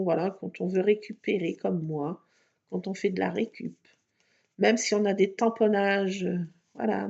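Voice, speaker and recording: Chatty woman hosting a home craft video, somewhat high and gravelly, joking at her own expense, muffled lo-fi sound. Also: a little mellow. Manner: chatty and playful, self-mocking. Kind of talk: casual crafting tutorial.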